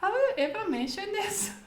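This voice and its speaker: A woman with a high voice and a Japanese accent hosts a conversational language lesson. She explains step by step and poses questions along the way. The sound is echoey and roomy. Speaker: host leading English conversation practice. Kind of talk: casual explanatory lesson talk.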